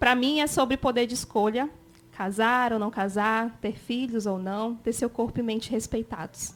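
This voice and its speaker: Her intonation fairly even and her pitch fairly high, a woman talks in a plain, everyday voice. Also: moderate pace. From Brazil, Amazonas (Careiro Castanho). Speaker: podcast co-host, feminist activist. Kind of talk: podcast self-introduction.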